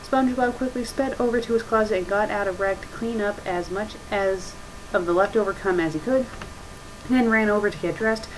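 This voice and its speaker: A woman with a medium-pitched voice and a brisk delivery hosts a web show, casually reading aloud and critiquing. She's blunt, nitpicking, and mildly profane. Her noisy webcam microphone picks up ambient hiss.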